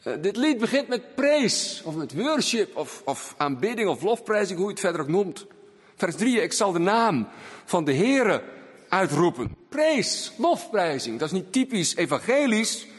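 A man preaching a sermon in a church, swinging between raised emphasis and hushed, low phrases. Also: very animated, unhurried, husky. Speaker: pastor. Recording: long church reverb.

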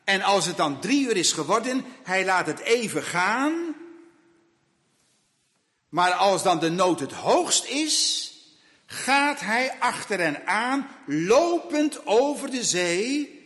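Male preacher, sermon, very slow delivery, emphatic repetitions, dramatic pauses, long hall echo. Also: high voice, very animated, fairly bright tone.

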